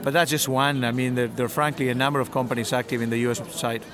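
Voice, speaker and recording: A middle-aged man from Argentina answers interview questions in a measured, halting way, full of fillers and restarts. His voice sits in an ordinary middle register. A loud crowd murmurs behind him at what sounds like a busy event. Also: mid-range voice, flat delivery. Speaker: industry association representative.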